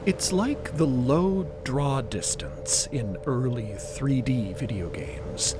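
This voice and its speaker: A man narrating a scripted story with deliberate, dramatic phrasing. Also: medium pitch, sing-song, music in the background.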